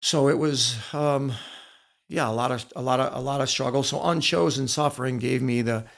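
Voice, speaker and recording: Gravelly and fairly bright, his mid-range voice moves at a normal speed as this middle-aged American recounts his own experiences in an interview. He's a podcast guest, author and onetime wrestler who speaks with earnest emphasis and repeats phrases for weight.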